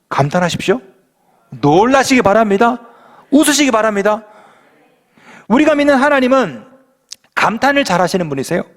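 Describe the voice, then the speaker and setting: A male pastor preaching a lively sermon in a church, playful and full of exclamations. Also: high voice, in a large hall.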